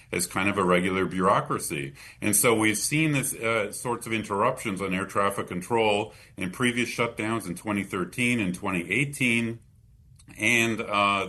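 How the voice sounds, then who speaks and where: A man with a North American accent, a policy expert explaining things in an interview with halting false starts. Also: low-pitched, pushed and bright.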